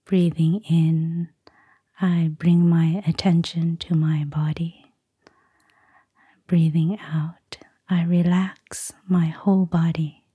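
A woman speaking in a soft, breathy near-whisper, calmly and soothingly guiding a meditation. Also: lowish voice, no echo, clean studio sound. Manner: calm, slow, soothing. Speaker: Buddhist nun, meditation guide. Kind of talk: soft-spoken guided meditation.

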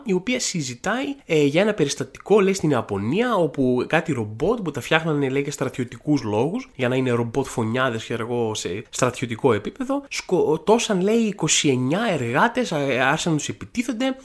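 A man with a slightly high voice hosts a comic podcast monologue. He tells his stories in an exaggerated, joking way and keeps speaking directly and casually to his listeners. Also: hardly any pauses. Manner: joking, exaggerated, animated storytelling; uses casual fillers and playfully addresses listeners. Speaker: podcast host.

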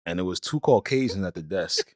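A man's voice: deep voice, lively intonation, brisk, no echo, studio quality. A man with an African American accent in casual, slangy podcast banter, joking as he hosts. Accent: African American English. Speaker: podcast host.

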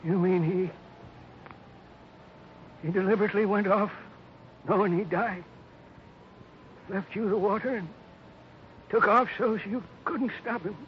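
A high-pitched old man of the West, grieving and halting as he speaks. The style is emotional radio drama of the 1950s, on a dull recording with faint hiss. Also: fairly even intonation. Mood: bitter, stunned. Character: bitter, grieving old Western father, humbled and halting.

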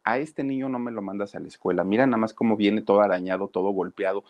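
A man voicing a protective, worried older grandmother who pleads urgently, in his own low voice within a spoken story. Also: fairly even intonation, quick pace, no room sound, highs cut off, close to an everyday voice.

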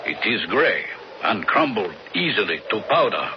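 A man playing a solemn, reverent tribal guide in a western radio drama, speaking gravely in terse, formal phrases. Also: on the low side, very animated, normal speed. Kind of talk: old-time radio drama acting. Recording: dull, noisy vintage radio recording.

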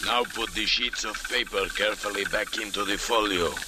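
A man's voice: on the low side, steady tone, normal speed, noisy background, natural voice. An actor playing a sinister male henchman who gives clipped, threatening commands, in a 1940s radio drama.

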